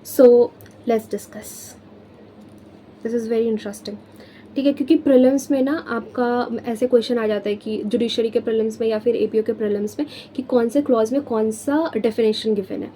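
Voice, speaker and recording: Indian woman tutor teaching exam prep, kinda high mellow voice, faint hiss behind. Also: fairly even intonation, normal speed. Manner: Hindi-English code-mixing, friendly teacherly tone with repeated check-ins. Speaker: law tutor.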